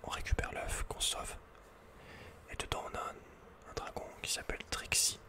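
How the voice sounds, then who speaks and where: A man whispering breathily as an ASMR host playing a video game, chatting informally with playful asides. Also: moderate pace.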